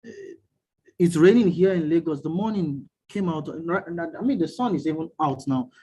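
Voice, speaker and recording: A guest professor giving calm, measured advice in a talk, often repeating words as he or she starts a thought. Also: medium pitch, slightly rough. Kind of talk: teaching talk.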